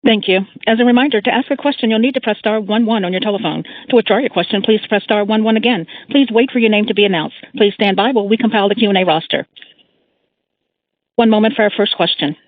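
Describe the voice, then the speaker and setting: A woman's voice: medium pitch, quick pace, no room sound. A woman working as a conference call operator, reading scripted announcements in a formal, procedural way. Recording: narrow, tinny phone line, dry.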